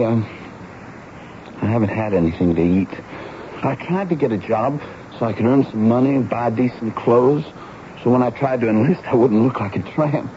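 A man acting an earnest, pleading teenage runaway boy, emotional and halting, in a 1970s radio drama. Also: mid-range voice, close to an everyday voice. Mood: weary. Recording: dull, noisy vintage radio broadcast.

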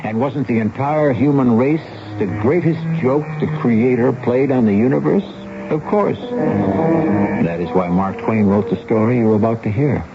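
An older American man hosting a radio drama with deliberate, theatrical scripted narration. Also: mid-range voice. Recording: muffled old radio broadcast, music behind.

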